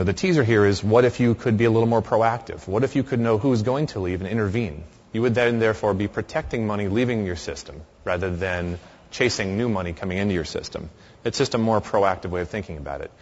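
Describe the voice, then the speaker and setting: A man's voice: fairly low pitch, muffled recording. A man in his thirties giving a conversational conference talk in a large hall, with frequent fillers and restarts. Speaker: conference speaker.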